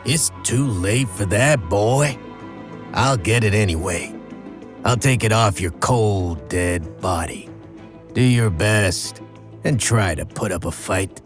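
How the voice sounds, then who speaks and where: Deep, slow, menacing militia commander. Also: male voice, over music. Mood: menacing, mocking. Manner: unhurried, taunting. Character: menacing, mocking militia commander, adult man. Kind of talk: dramatic video game villain acting.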